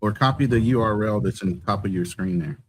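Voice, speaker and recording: A man's voice: lowish voice, quick pace, slight background noise, low-quality recording. A man hosting a casual online panel, talking guests through how to share the link. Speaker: panel host.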